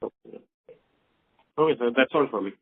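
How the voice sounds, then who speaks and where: A man's voice: medium pitch, normal speed, breathy edge. A man calling in with formal questions on a conference call. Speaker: caller asking questions. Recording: narrow, tinny phone line.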